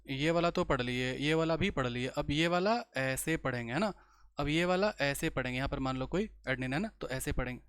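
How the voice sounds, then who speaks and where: A young man teaching biology in a lecture, often pausing to check the class follows. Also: on the high side, a bit bright, clean tone, no room sound, studio quality. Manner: slow explaining, many rhetorical checks. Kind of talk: online exam-prep lecture.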